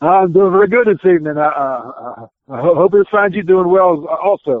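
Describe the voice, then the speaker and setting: A man with a Southern US accent, high in pitch, at a fairly quick pace and with ordinary pitch variation. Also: very even loudness. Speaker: retired pro wrestler. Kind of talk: interview. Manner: halting, many fillers.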